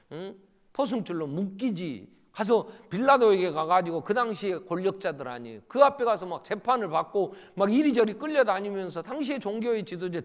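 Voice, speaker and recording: A middle-aged male pastor delivers a lively sermon, his fairly high voice leaping up and down in pitch. He swings from loud bursts to hushed asides and slips into voices for the people he quotes. The long reverb of a church sanctuary trails every phrase. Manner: acts out quoted dialogue in shifting voices.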